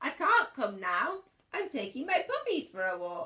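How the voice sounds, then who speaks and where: A woman's put-on character voice, raised and projected, at an extremely high pitch. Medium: read story.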